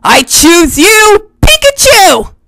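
Lady voicing a spunky anime kid hero, high bouncy voice, kinda slow, eager. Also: big pitch swings, a bit bright, no room sound, studio quality, exaggerated voice. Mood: excited. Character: eager spirited boy hero, about ten. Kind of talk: cartoon voice impression demo.

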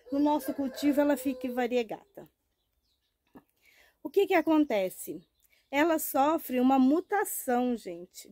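Hoarse Brazilian-born woman with a lapel mic. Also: high voice, darkish tone, slight background noise. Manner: chatty and affectionate, tag questions and diminutives. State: hoarse from a cold. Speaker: succulent grower. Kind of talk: casual plant-care vlog. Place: shaded plant nursery greenhouse, outdoors. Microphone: wired lapel mic.

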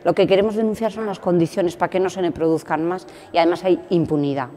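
A woman's voice: fairly low pitch, steady tone, quick pace, mellow. A woman activist talking reflectively in an interview, often restarting her phrases. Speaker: activist, organizer. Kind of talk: interview talk.

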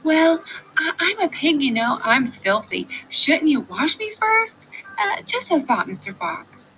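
A woman voicing a small, clever male piglet in a storybook, squealing high and coaxing with little hesitations. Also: big pitch swings, unhurried, sharp tone, muffled recording, slight background noise, full character voice.

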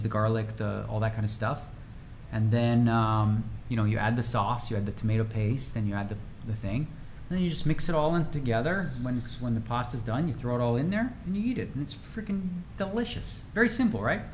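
A man's voice: medium pitch, slight background noise. A man in his forties chatting energetically and rambling while streaming a game from his home room. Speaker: poker streamer. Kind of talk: casual livestream chat.

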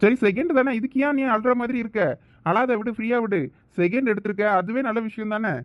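Fast-talking woman with a Thoothukudi accent. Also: on the high side. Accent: Thoothukudi Tamil. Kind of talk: village comedy skit. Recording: dull, lo-fi recording.

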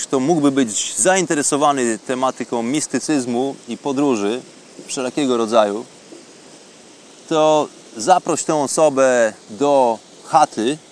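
A man hosting a podcast, speaking personally to his listeners in an affectionate sign-off style. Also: mid-range voice. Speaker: podcast host. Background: faint sea-shore ambience.

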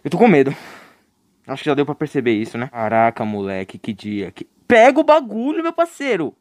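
Young man, Brazilian Portuguese accent, game streamer, jokey, panicky yelps, swooping pitch, dry close sound. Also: sing-song, fairly quick, no room sound. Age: young adult. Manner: jokey, panicky yelps and screams when scared. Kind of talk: live gameplay commentary.

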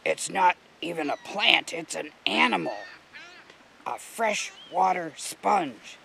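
A man's voice: on the high side, expressive, takes it slowly, creaky, pushed and bright, slight background noise, heavily acted. A man voicing a grumbly, knowledgeable male river mussel in a children's storybook, explaining things emphatically.

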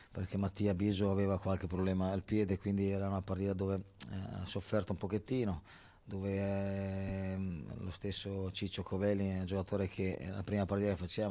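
Deep, flat-voiced player, hesitant. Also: male voice. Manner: hesitant, full of fillers. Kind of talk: post-match interview.

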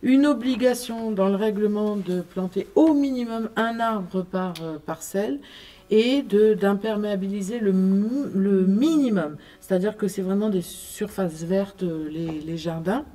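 A woman's voice: medium pitch, unhurried, mellow. A woman presenting a planning design to a group standing around a table, hesitant, with many fillers and restarts. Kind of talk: explaining a plan around a table. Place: meeting room, group standing round a table.

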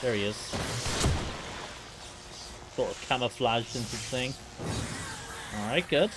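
Male streamer, mid-pitched, chatty and repetitive casual game commentary, faint noise and game ambience behind. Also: a little slow. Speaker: live streamer.

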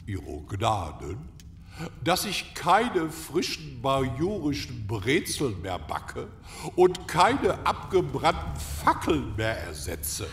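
A man's voice: mid-range voice, huge pitch swings, fairly bright tone, exaggerated voice. A man playing a stiff, ceremonious old castle butler in a comic fairy-tale audio drama, with pompous formal delivery. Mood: firm, formal. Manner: pompous, formal, deliberate proclamations. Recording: echoey hall, distant, faint noise.

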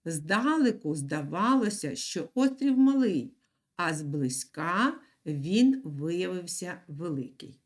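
A woman teaching young children in an online lesson, speaking slowly and clearly and repeating words for them to write down. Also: lowish voice, very animated. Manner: patient, slow and clear, repeats words for dictation. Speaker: primary school teacher.

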